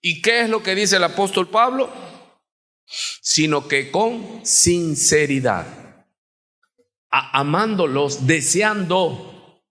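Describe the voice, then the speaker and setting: A man with a Mexican Spanish accent, a pastor preaching an impassioned sermon, moving between quiet talk and shouting as he speaks to the congregation. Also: sits high, animated, slow pace, pauses often. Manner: addresses the congregation as hermano. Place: church sanctuary. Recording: reverberant church hall.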